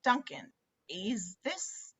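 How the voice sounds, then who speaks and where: A woman's voice: mid-range voice, very animated, slightly rough, heavily acted. A woman playing an awkward, sincere young woman in a screenplay table read, speaking hesitantly on a slightly dull mic. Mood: stunned, touched. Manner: hesitant, halting.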